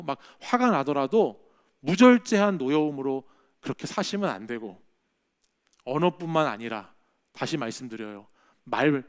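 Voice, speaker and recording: A male pastor delivers a conversational sermon in a church, speaking in a fairly high voice. He keeps checking in with the listeners as he goes. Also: clear, resonant tone. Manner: conversational preaching, frequent "예?" checks with the congregation. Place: church sanctuary.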